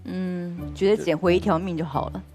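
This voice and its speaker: A woman's voice: lowish voice, fairly even intonation, fairly quick, over music. A woman, hosting a talk show and asking short, probing questions. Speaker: host.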